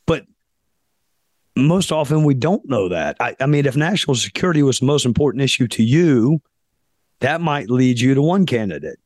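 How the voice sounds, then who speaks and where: Hoarse man hosting a podcast. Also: medium pitch, lively intonation, a little mellow, no echo, studio quality. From South Carolina, US. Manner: deliberate, pausing often with fillers. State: hoarse, losing his voice. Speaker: podcast host. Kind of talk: reflective podcast monologue.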